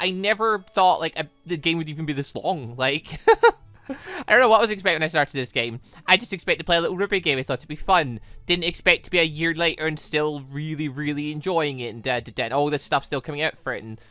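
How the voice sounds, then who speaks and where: Bright, chatty gamer. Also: mid-range voice, dry recording. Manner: chatty, rambling, self-correcting. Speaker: host of a gaming channel. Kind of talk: casual let's-play commentary.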